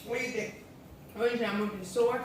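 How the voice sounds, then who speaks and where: A woman's voice: on the high side, fairly even intonation, very fast. Female American vlog host, casual and viewer-facing, roomy echo with faint background noise. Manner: informal, addresses viewers directly. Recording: echoey room, distant mic, faint noise.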